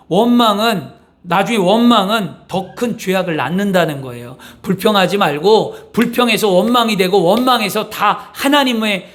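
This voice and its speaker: A male pastor delivers a sermon in a fairly high voice. He speaks to the congregation and slips into little acted-out quotes of grumbling husbands. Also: a bit bright. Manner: acts out complaining husbands in quoted asides.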